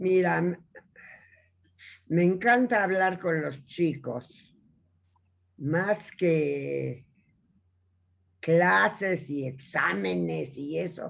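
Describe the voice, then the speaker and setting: This woman's pitch is very deep and low, yet it swings very widely. She talks at a very slow pace with long, frequent pauses. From Mexico. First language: Yiddish (speaking Spanish). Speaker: retired Yiddish teacher. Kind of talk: interview conversation. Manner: conversational, hesitant.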